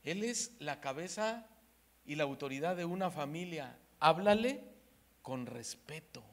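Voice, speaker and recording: A man from Mexico preaching a sermon, swinging between loud emphasis and hushed asides and acting out the voices in his stories. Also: on the high side, expressive, unhurried.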